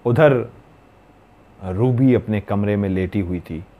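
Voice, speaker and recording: A man's voice: lowish voice, takes it slowly, phone-quality sound. A man from Pakistan narrating a horror story in a dramatic, suspenseful way.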